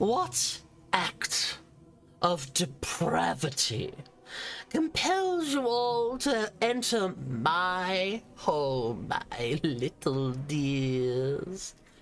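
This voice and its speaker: A put-on character voice at a middle pitch moves at a very slow pace over clear background noise. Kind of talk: archaic, courteous.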